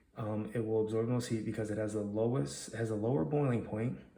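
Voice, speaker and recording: A man's medium-pitched, somewhat breathy voice with a dark, mellow tone and audible room echo. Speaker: HVAC student. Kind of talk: study session going over textbook answers. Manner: casual, halting with fillers; slurs words at times.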